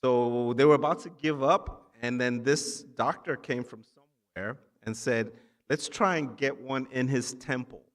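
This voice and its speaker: A man who grew up in Nigeria addresses students from the stage in a mid-pitched voice. He encourages them with emphatic phrases broken by short pauses. The sound carries the long reverb of a large hall. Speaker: keynote speaker, physician assistant. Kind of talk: ceremony keynote speech to students. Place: large indoor hall at a ceremony.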